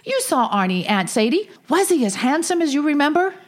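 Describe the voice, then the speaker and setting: A woman's voice: high-pitched, sing-song, fairly quick. A woman playing a curious, prying adult daughter in a comic audio drama. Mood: nosy eager. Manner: prying, exasperated.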